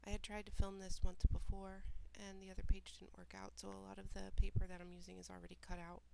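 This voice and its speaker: A woman with a stuffy, nasal cold, calmly talking through the steps of a craft tutorial in a voiceover. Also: medium pitch, fast talker, gravelly, slight background noise, rough recording. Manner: relaxed, plain step-by-step explaining with small asides. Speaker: mixed media artist. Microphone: home voiceover recording.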